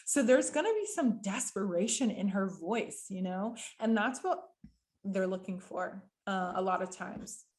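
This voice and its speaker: A woman coaches voice actors in an online workshop, speaking at an ordinary mid-range pitch for a woman. She talks in fast, animated bursts, often stops to rephrase, and keeps checking in with the people listening. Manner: animated, quick bursts with frequent fillers; addresses the audience directly and often. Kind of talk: virtual workshop teaching.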